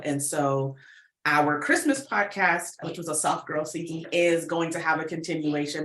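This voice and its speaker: An American woman with a deep voice, heard in a reverberant space, speaks candidly and expressively. She's a guest on a casual interview, an audio fiction writer and producer chatting about her creative work.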